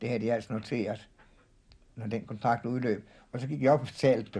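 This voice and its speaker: Against a quiet background, a man speaks at a medium pitch with a dark, mellow tone. His intonation is fairly even and his pace moderate. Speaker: former wartime worker in Germany. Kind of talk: testimony. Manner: halting.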